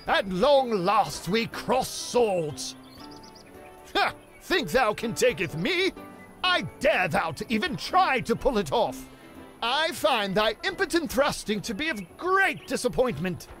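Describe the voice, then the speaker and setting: A man's voice: big pitch swings, slow pace, a bit bright, faint music behind, exaggerated voice. A male actor voicing a pompous, bawdy medieval knight in a video game, delivering grand mock-archaic lines full of innuendo. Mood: taunting. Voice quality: high, theatrical voice with mock-archaic speech. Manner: grand, innuendo-laden pronouncements. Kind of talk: video game voice line reel.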